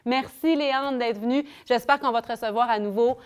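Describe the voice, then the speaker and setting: Lady talk show host, highish voice, friendly chat and segment intros. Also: a little fast, clear, resonant tone. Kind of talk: friendly studio interview.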